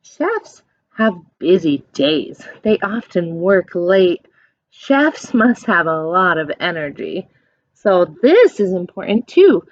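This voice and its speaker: A woman doing a children's read-aloud as a teacher, explaining things in simple questions and animated, encouraging asides. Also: fairly low pitch, slow, lo-fi sound.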